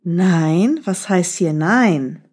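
A woman's voice: fairly low pitch, expressive, extremely slow, darkish tone, husky, full character voice. A woman voicing a big, sly male fox who teases with mocking questions in a storybook. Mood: teasing.

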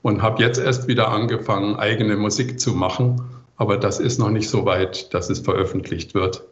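An older man giving relaxed answers as an interview guest. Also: on the low side, normal speed. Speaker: composer interviewed as podcast guest. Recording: muffled, roomy, echoey remote recording.

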